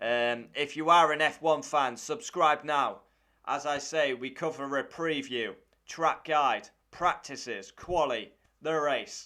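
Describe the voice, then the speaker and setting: A bright, sharp tone at a fairly slow pace, with ordinary pitch variation, on a very clean recording with a silent background. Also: man. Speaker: F1 YouTuber. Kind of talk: video commentary. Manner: animated.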